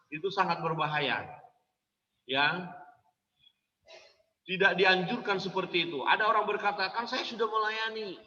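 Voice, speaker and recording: Bright-voiced male pastor in an echoey hall. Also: high-pitched. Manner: anecdotal, animated, laughs often. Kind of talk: sermon to church workers. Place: church hall. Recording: echoey hall, from far off, dull.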